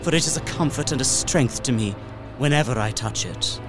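A man's voice: medium pitch, normal speed, over loud music, close to an everyday voice. An actor playing an uneasy young solicitor, narrating his journal formally and dramatically in an audio drama. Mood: wary, anxious.

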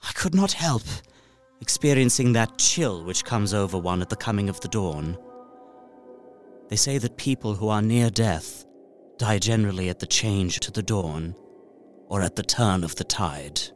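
Man acting young solicitor, uneasy, formal dramatic journal narration, lively wide-ranging delivery, faint music, audio drama. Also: fairly low pitch, moderate pace, close to an everyday voice. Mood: uneasy, hushed.

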